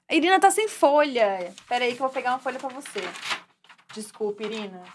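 Co-host role, a woman with a high voice, teasing and mock-competitive. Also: sing-song, fast, noisy background. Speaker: podcast co-host. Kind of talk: casual podcast chat running a game.

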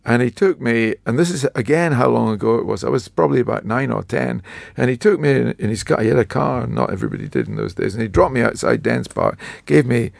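A man in his seventies with a croaky voice, a retired football writer telling rambling, self-mocking stories in a casual chat. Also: mid-range voice, fast, dry recording, studio quality. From Scotland. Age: 70s.

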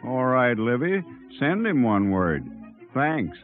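A man's voice: mid-range voice, very animated, slow pace, faint music behind. A man playing a famous writer, speaking with a dry, drawling humor. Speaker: lead actor as a famous writer. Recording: tinny old radio broadcast.

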